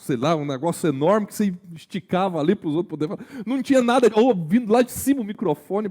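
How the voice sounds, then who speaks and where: A Brazilian man preaching a sermon in a conversational way. He keeps asking his congregation questions, sometimes dropping to a slow hush and sometimes rising with energy. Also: high-pitched. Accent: Brazilian Portuguese. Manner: swings between hushed, slow emphasis and raised, energetic delivery. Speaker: pastor.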